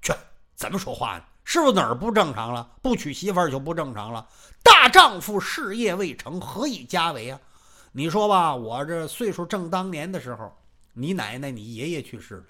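A man's voice: fairly high pitch, very animated, normal speed, sharp tone, voice pushed down, full character voice. A man doing an earnest, declaiming martial arts master. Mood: indignant. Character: middle-aged male martial arts master, earnest, long-suffering. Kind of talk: traditional Chinese storytelling.

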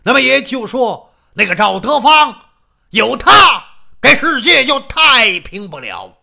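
A storyteller voicing a burly, boastful mountain guardian with a loud, hollow, booming voice who declaims and blusters. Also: very animated, measured pace, gravelly, heavily acted. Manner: blustering, declaiming, laughs heartily.

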